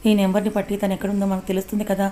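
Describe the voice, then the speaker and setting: A woman voicing a decisive young woman who gives quick orders. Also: medium pitch, monotone, warm tone, slight background noise, close to an everyday voice. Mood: commanding. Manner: brisk, commanding.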